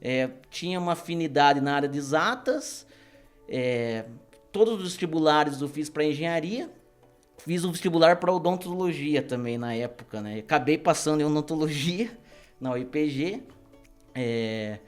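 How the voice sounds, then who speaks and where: A man's voice: a little high, moderate pace, smooth, soft background music. Laid-back man in his thirties. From Brazil, grew up in Paraná. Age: 30s. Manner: relaxed storyteller, laughs easily, restarts with fillers. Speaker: guest, engineering professor. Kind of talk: casual podcast interview.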